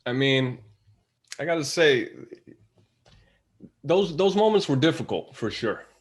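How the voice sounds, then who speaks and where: A man's voice: medium pitch, sing-song, unhurried. A man, an actor on a panel, speaking in a casual, reflective and informal way.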